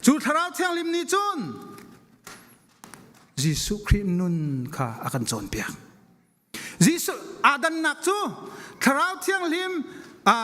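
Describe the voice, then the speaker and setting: High-pitched, fervent male preacher in echoing hall. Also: bright, forceful tone. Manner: emphatic, repeats phrases for stress. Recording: long echoing hall reverberation.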